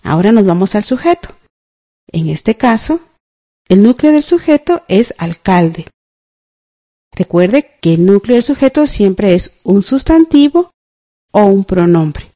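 A woman's voice: mid-range voice, sing-song, a little slow, long pauses, mellow. A woman teaching a scripted radio grammar class. She is patient, spells words out and checks in with the listener.

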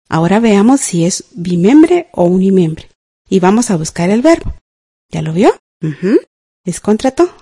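A woman's voice: medium pitch, mellow. A woman teaching a scripted radio grammar class. She is patient, spells words out and checks in with the listener.

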